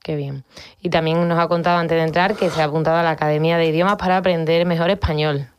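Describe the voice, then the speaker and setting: A woman hosts a radio show, keeping the talk moving with short, encouraging prompts. Her voice sits a little low for a woman. She speaks from a radio studio. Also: fairly even intonation, fast, slight background noise. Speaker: radio host. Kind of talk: radio interview.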